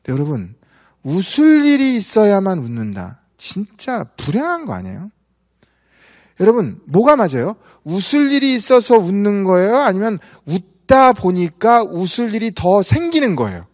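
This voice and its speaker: Animated male pastor in echoing church. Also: sits high, moderate pace. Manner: animated, conversational preaching with rhetorical questions. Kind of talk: sermon. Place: church sanctuary. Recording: church sanctuary with long reverb.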